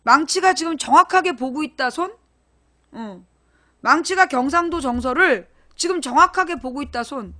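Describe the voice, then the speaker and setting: A woman with a high voice hosts a live-streamed political talk show. She speaks bluntly and casually, pressing her points and calling on her chat viewers to answer. Her delivery is emphatic and direct. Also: animated, normal speed, sharp tone. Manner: talks directly to chat viewers, asks them questions; blunt and emphatic, informal speech.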